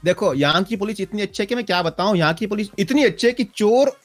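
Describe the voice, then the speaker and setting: Quick-talking man bargaining in a game. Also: high-pitched. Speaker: game server player. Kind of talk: casual chat while playing a game.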